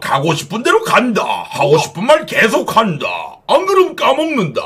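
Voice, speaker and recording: Using an extremely high pitch, a man performs a put-on character voice. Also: moderate pace. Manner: impression of a game character. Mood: playful, joking.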